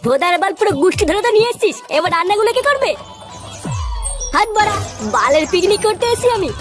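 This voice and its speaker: Woman doing a brash, cursing cartoon young man, very high, rapid speech, music behind. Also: expressive. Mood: angry. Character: foul-mouthed young man, hot-tempered party boss. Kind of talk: cartoon voice acting.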